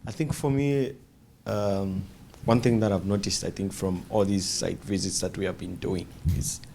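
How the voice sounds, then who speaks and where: A man's voice: low-pitched, steady tone, normal speed, vocal fry, mellow, a little hiss or hum. A man offering tentative, thoughtful remarks as a participant in a group discussion. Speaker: fellowship participant.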